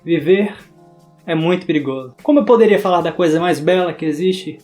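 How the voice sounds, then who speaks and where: Young guy, high voice, bahian sertanejo accent, dramatic scripted narration, soft guitar behind. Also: brisk. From interior of Bahia, Brazil. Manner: dramatic, theatrical delivery. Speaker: book vlogger. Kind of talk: scripted video essay narration.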